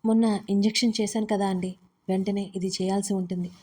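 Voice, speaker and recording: A woman doctor explains herself steadily and without faltering , as a woman storyteller plays her. Her voice is mellow and flat, calm to the point of coolness. She appears in a spoken storybook. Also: medium pitch, fairly quick, lightly acted. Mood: composed. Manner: steady, unhesitating. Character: smooth-talking woman doctor, composed.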